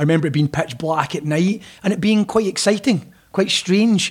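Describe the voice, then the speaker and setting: With a Glaswegian accent, a man speaks with ordinary pitch variation. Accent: Glaswegian Scottish. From Scotland, Glasgow East End. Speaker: novelist and musician. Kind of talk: casual chat.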